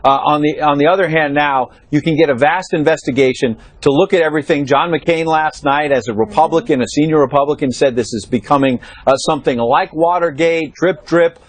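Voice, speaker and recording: A man reporting from the White House on a cable news panel, explaining in a measured way with frequent fillers. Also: fairly high pitch. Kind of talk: live news panel analysis. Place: studio or remote link from Washington.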